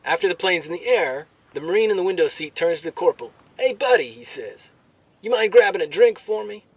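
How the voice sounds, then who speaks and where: An actor playing a brash, crude army soldier telling jokes with swaggering military banter and drawn-out delivery. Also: male voice, high voice, animated, husky, distant mic, exaggerated voice, low-quality recording. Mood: cocky, joking. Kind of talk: military banter, performed joke storytelling.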